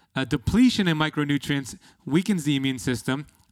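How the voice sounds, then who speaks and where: A man in a normal speaking voice, fairly high in pitch, talks fairly quickly in a very clean recording with a silent background. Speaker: podcast host. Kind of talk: interview.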